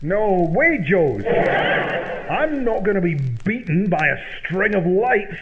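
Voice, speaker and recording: An actor playing an excitable, stubborn, blustering man in an old-time radio comedy sketch. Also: high-pitched, takes it slowly, highs cut off, full character voice. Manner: blustering, exaggerated, old-fashioned turns of phrase.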